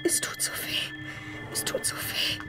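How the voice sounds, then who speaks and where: A woman's voice: mid-range voice, a little slow, lightly acted. An actress voicing the wounded, frightened narrator and heroine of a radio play, speaking her intense inner monologue over music. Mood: panicked. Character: injured woman narrator, frightened and desperate. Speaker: first-person narrator and heroine.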